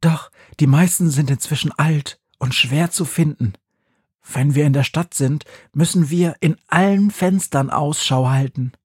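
Man putting on a gentle old witch, soft, a bit husky, slow storybook. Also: on the high side, no echo, studio quality, pitched above the performer's own voice. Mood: calm. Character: kindly old witch woman, calm and gentle. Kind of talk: storybook reading.

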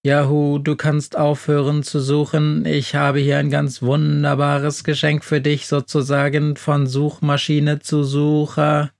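A man's voice: on the high side, monotone, a little slow, gravelly, few pauses, no echo, clean studio sound. A man voicing a chatty, eager search-engine gadget in a children's audio story. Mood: pleased. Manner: humming, eager.

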